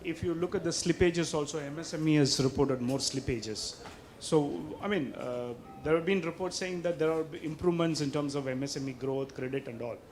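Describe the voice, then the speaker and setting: A man's voice: on the high side, fairly quick, a little mellow. A man with an Indian accent asking probing questions about financial results. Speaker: questioner, reporter or analyst. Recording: faint background noise, room ambience.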